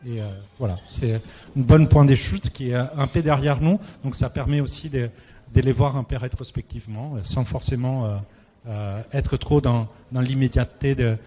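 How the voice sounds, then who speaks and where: A man from Italy speaks at a round table with a clear Italian accent, as a native Italian speaker. His voice is soft-edged and warm, and he feels his way hesitantly from phrase to phrase. The hall rings around him with long reverb. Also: mid-range voice, steady tone, normal speed. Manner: hesitant, searching for words. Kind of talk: semi-prepared talk on architecture and photography. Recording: echoey hall, clear background noise.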